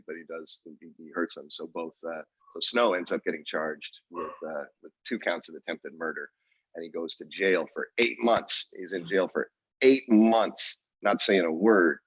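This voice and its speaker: A man's voice: sits low, fairly bright tone, no echo, highs cut off. A man co-hosting a podcast, telling a story in casual chat with lots of restarts and fillers. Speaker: podcast co-host.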